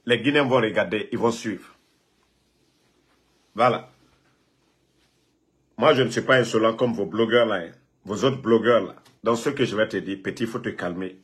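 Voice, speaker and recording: A man's voice: lowish voice, normal speed, long pauses. A man from Guinea, ranting and scolding a rival on a live phone video, repeating himself. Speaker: political online commentator.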